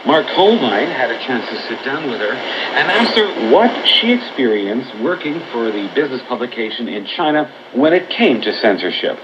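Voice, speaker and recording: A man's voice: medium pitch, very animated, moderate pace. A man reading a scripted introduction as host of a radio program, heard over shortwave. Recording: noisy muffled shortwave radio reception.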